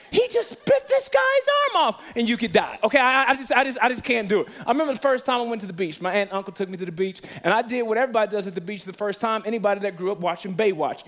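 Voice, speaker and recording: A man giving a sermon as a guest speaker, telling comic stories in an animated, exaggerated way. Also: sits high. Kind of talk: humorous storytelling sermon.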